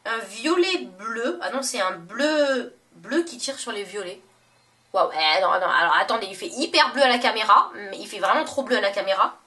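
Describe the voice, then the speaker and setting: A woman's voice: medium pitch, expressive, normal speed, pushed and bright, far from the mic. A young woman talking casually in a makeup haul vlog, chatty and gushing, with many fillers and self-corrections. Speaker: beauty vlogger.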